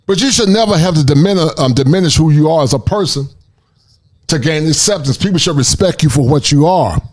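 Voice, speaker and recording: A man's voice: a little high, expressive, fairly quick, darkish tone. A man giving earnest, preachy commentary aimed straight at other men. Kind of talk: motivational commentary to the camera.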